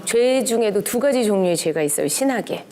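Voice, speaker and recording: A middle-aged woman teaching relationship skills in a lively seminar talk, animated and often laughing as she mimics quotes. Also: medium pitch, a little fast.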